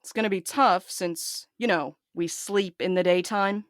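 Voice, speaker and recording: An actress as a sardonic night courier in an audio drama, tired and blunt. She speaks in deadpan sarcasm, with a very dry, close sound. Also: on the low side, measured pace, no echo, lightly acted. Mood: dismissive. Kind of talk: scripted audio drama dialogue.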